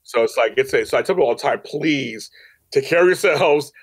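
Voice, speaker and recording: A man's mid-range voice, expressive and a little fast with a breathy edge, carries personal storytelling in a casual podcast interview. He's the guest, an audio drama producer, and he speaks emphatically, repeating phrases for stress.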